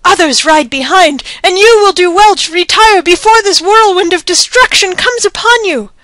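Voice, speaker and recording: A woman's voice: very high-pitched, steady tone, moderate pace, pushed and bright, dry recording, voice pushed up. A woman voicing a panicked male messenger who pants out an urgent warning. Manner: panting, urgent.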